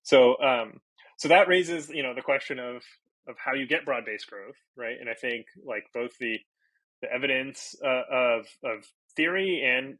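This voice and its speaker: Guy from brazil, portuguese first language, bright voice, lots of "you know" and restarts, podcast guest. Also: medium pitch, no room sound, rough recording. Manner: thinks aloud with many fillers and restarts. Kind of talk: casual interview talk.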